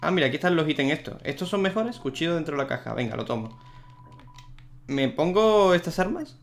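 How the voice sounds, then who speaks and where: A man's voice: fairly high pitch, animated, fairly quick, vocal fry, a little hiss or hum. A man from Spain with a Spanish accent, talking through a video game as he plays and reacting to it aloud. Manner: chatty, reacting out loud to the game. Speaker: gaming youtuber. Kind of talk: let's play commentary.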